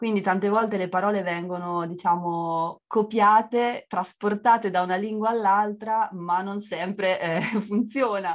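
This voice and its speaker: An unremarkable speaking voice from a woman, medium in pitch, fairly slow and fairly even in intonation, over a quiet background. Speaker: Italian language teacher. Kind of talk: interview.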